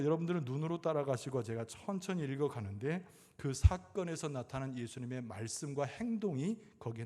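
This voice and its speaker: Male pastor, mid-pitched, preaching with slow scripture readings, echoing church hall. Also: a little mellow. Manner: reads scripture slowly, rising for quoted pleas. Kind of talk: sermon. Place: church sanctuary.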